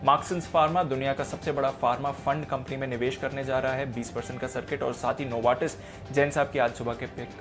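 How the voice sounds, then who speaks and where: A man with an Indian accent giving a rapid stock market roundup, rattling off stock names in quick lists. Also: medium pitch, steady tone, over music. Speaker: market reporter.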